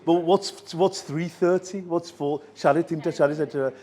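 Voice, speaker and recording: A man's voice: a little high, rapid-fire, mellow. An older man with an English accent, giving a chatty, joking talk to students and slipping between English and Bengali. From England. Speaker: visiting education counselor and professor.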